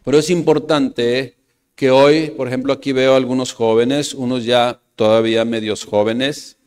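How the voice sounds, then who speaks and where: A man with a Mexican Spanish accent preaching a sermon to a congregation, repeating phrases and calling out to the brothers and the church, moving between loud emphatic bursts and soft low asides. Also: steady tone, measured pace, smooth. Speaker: pastor.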